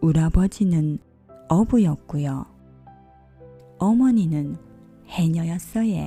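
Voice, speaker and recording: Over background music, a woman with a fairly low voice talks at a very slow pace, leaving long, frequent pauses, her intonation lively. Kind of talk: essay reading, audiobook narration. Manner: emotional, tearful.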